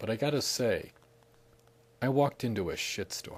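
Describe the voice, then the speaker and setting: A man at a moderate pace, with an American accent. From Cleveland, Ohio, US Midwest. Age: 50s. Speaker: personal storyteller recounting childhood. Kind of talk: personal memoir narration.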